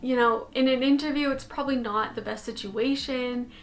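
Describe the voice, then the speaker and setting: A woman's voice: sits high, normal speed, soft background music. Chatty young woman vlogging from her bedroom. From Canada. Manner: chatty and animated, gesturing with her hands. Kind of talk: casual talking-head vlog. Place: bedroom, indoors. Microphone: fixed camera at desk distance.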